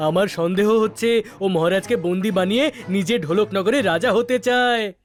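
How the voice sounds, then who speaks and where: A man's voice: sits high, normal speed, faint music behind, lightly acted. A man playing an emphatic palace spy who poses as a dance teacher in a children's cartoon. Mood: earnest, conspiratorial. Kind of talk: dubbed children's cartoon acting.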